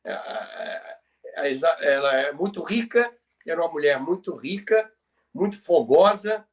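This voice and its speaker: A Brazilian man co-hosting a podcast, telling stories conversationally in a halting way, often repeating words. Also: fairly high pitch, lively intonation. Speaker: podcast co-host. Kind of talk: conversational storytelling about radio history.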